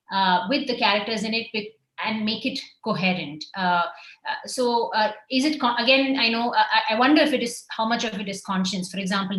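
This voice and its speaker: A woman's voice: on the high side, fairly bright tone. A woman moderating a festival panel, speaking hesitantly with many fillers while she searches for words. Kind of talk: panel discussion. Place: festival venue. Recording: roomy hall.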